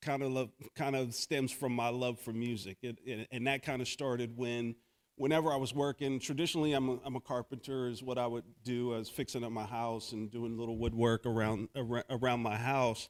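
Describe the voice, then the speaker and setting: A man talks at a fairly quick pace in a plain, everyday voice, medium in pitch with fairly even intonation. The sound is dry and close, with no echo. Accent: American. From US Midwest, Columbus, Ohio. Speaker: wood artist and carpenter. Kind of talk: panel discussion.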